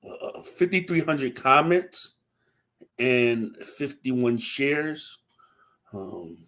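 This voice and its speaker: A young man hosts a laid-back livestream, his voice stuffy and congested from a cold. He talks in a loose, rambling way, looping back on himself with ums and restarts. It sounds like a computer or phone mic. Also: medium pitch. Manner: rambling, relaxed, frequent fillers and restarts. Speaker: livestream host. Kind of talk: casual livestream chat.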